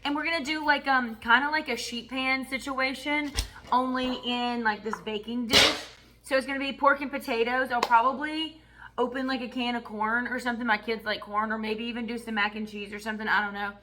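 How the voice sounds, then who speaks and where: A middle-aged woman who has lost her voice, chatting casually and hoarsely for a cooking vlog in her home kitchen. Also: a little high, fairly even intonation, fairly quick, pushed and bright, a little hiss or hum, low-quality recording.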